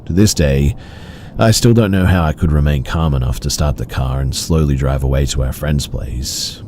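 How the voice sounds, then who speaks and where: A man reading out horror stories in an even, measured storytelling delivery. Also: a bass voice, slight background noise. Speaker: story narrator. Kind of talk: scripted horror story narration.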